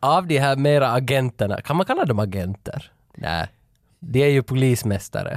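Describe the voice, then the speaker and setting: In a very clean recording with a silent background, a man talks at a moderate pace with lively intonation. He has a plain, everyday voice, and the sound is dry and close with no echo. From Ostrobothnia, Finland (Vaasa). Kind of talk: casual chat.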